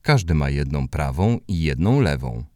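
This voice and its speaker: A second-grade boy rattles off facts in a level, bookish monotone, never changing his tone, as a man reads him aloud. The voice sits low and dry, close to the microphone. It sounds like a storybook character reciting an encyclopedia. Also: normal speed, no room sound. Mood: flat reciting. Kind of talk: audiobook character reading.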